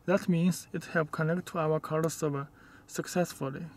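A man who is not a native English speaker gives a step-by-step hands-on demonstration inside a car, in halting, short, simple phrases. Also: fairly high pitch, steady tone. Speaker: product demonstrator.

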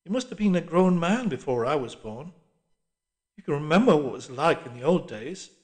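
An earnest, tentative younger man, as a male narrator gives him voice, slightly higher than the narration and carefully measured. Storybook reading. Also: lively intonation, close to an everyday voice. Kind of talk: audiobook character voice.

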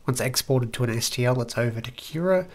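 Aussie guy in his 30s chatting thru a workshop build, practical and a bit wry, brick workshop, mid-pitched voice. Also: expressive, a little fast. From Australia. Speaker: woodworking channel host. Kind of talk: casual how-to vlog. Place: brick-walled home woodworking workshop, indoors.

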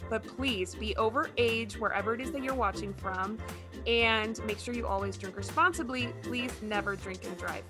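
A woman in her thirties from Ecuador, a native Spanish speaker with a slight accent, hosting a casual video-call chat in an upbeat, animated way. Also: a little high, normal speed, music in the background. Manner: bubbly, animated, laughs often. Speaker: host. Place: home studio with shelves.

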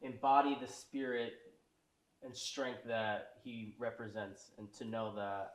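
A man's voice: medium pitch, level tone, drawn-out words, roomy sound, a crowd in the background, poor audio. A young American man, a native English speaker, answering casually as a guest and switching between English and American-accented Korean. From United States. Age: young adult. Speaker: guest, graduate student.

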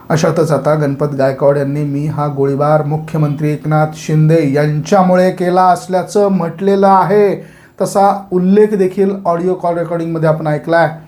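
A man's voice: a little high, darkish tone. A man reading a scripted news report as a presenter.

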